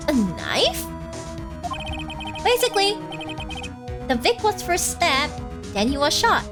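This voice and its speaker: A woman's voice: extremely high pitch, very animated, slow, music in the background, full character voice. A woman voicing an earnest, hesitant young male defense attorney in a video game, questioning and easily flustered. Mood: puzzled.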